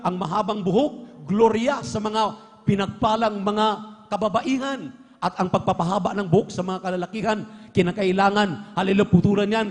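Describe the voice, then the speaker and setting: A man preaching a fervent sermon in a large church, sprinkling his words with hallelujahs and swinging between hushed tones and shouts. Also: sits high. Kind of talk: Pentecostal-style sermon. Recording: long hall reverb from a church live stream.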